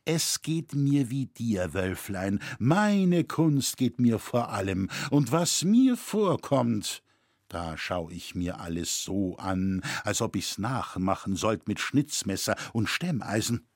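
Man voicing an old boastful carver, gruff and blustering, husky, lively delivery, storybook part. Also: on the low side, slow pace, no echo, studio quality, full character voice. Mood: grumbling. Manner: blustering, sharp-tongued.

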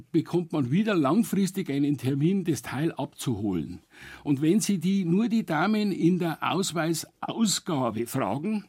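A man's voice: a little high, warm tone, husky, no room sound. A middle-aged man, a longtime refugee volunteer, criticising policy bluntly as a studio guest and often stumbling and correcting himself. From Germany. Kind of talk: studio radio discussion. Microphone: studio microphone.

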